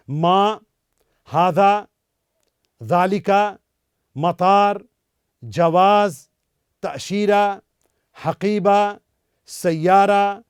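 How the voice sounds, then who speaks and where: A man teaches a beginner language lesson in a high, light voice. He drills each word slowly, again and again, for listeners to repeat. The recording is dry and close. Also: dry recording.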